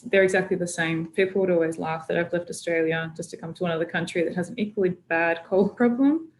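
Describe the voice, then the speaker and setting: A woman activist speaking as a guest on a video call, telling her story in a relaxed, chatty way with plenty of fillers. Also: fairly low pitch, slight background noise, low-quality recording. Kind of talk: casual video-call interview.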